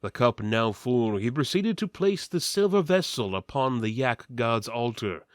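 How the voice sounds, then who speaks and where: A man's voice: mid-range voice, unhurried, no room sound, studio quality. A man giving a mock-serious dramatic reading of fantasy fiction, narrating theatrically while keeping a straight face. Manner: theatrical, deadpan delivery of absurd lines.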